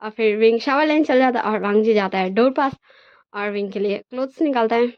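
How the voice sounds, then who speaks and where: A woman retells a fan fiction story in a casual, chatty way and keeps talking straight to her listeners. Her voice sits slightly high. The recording is dry and a little dull. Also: a little fast, dry recording.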